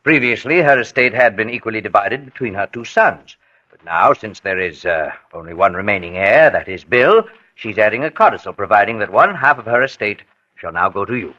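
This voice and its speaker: An actor playing a polite, formal family attorney explaining a will in 1940s radio drama style. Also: male voice, on the low side, expressive, sharp tone, highs cut off. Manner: formal, measured. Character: polite family attorney, middle-aged man.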